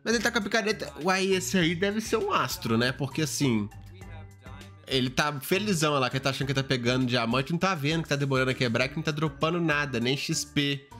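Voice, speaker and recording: A man, a gaming YouTuber, reacting to game clips in an excitable, exclamatory way, swinging from jumpy high shouts to low mutters. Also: fast talker, soft background music.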